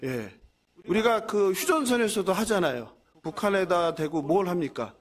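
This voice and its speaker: Guy pastor preaching, fairly high voice, keeps asking the church questions then answering himself. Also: lively intonation, moderate pace. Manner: asks the congregation questions and answers them himself; acts out the enemies' mocking voices. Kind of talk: sermon.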